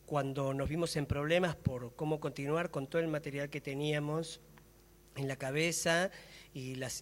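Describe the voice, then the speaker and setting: Argentine man in a reverberant hall. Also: on the high side. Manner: hesitant, searching for words, thinking aloud. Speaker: actor and theatre maker. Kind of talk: reflective public conversation about theatre. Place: public talk in a hall.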